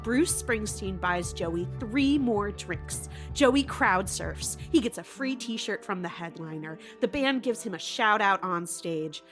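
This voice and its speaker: A woman's voice: medium pitch, animated, slow, hardly any pauses, a bit bright, faint music behind. A woman narrating a comic audio drama in a playful, mock-dramatic way. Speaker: podcast host and narrator. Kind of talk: scripted storybook narration.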